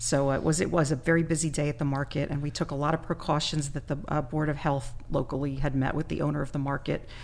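A woman's very deep, low voice at a very fast pace, monotone and flat, with hardly any pauses. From northern US. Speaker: tea business owner. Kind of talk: casual interview. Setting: studio.

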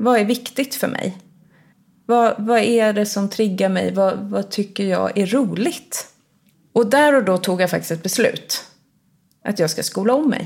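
A woman's unremarkable speaking voice at a fairly slow pace, with ordinary pitch variation, in a very clean recording with a silent background. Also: medium pitch for a woman. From Stockholm southern suburb. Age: 40s. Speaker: podcast co-host, life coach. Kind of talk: casual chat.

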